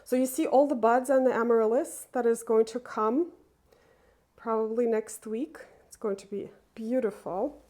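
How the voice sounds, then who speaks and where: A woman chatting casually through a tour of her indoor plant room, unhurried and enthusiastic, with small laughs and fillers. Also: fairly high pitch, warm tone. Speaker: plant vlogger.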